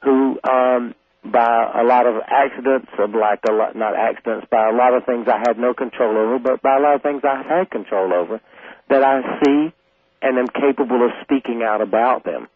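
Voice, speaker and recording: Calm earnest man on a tinny phone line. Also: medium pitch, normal speed, dry recording. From South Carolina. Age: 40s. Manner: calm, earnest and long-winded. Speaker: radio guest. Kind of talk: call-in radio conversation.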